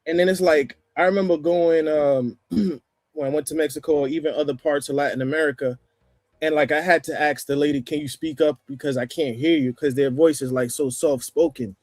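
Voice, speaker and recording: A man with a New York accent talking casually on a livestream panel, rambling, with restarts and throat clearing. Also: a little high, steady tone, brisk, darkish tone, no room sound, clean studio sound. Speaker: panel guest.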